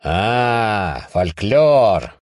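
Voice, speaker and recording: A man's voice: on the low side, sing-song, drawn-out words, no echo, clean studio sound, exaggerated voice. Man doing a cranky foul-mouthed hungover guy. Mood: sarcastic. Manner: exasperated, swearing, sarcastic. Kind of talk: audiobook reading.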